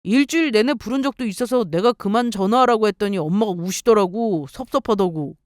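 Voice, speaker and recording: A woman's voice: mid-range voice, fairly quick, no room sound, studio quality, lightly acted. A woman voicing a clingy, self-pitying ex-husband in a dramatized story reading, pleading and whining. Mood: complaining. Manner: whiny, pleading.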